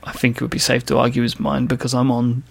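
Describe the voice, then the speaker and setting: A male podcast host talks casually in a London accent. His T's often turn into glottal stops and his H's fall away, with some consonants lightly slurred. The voice sits at an ordinary male pitch. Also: completely flat delivery, fast, creaky.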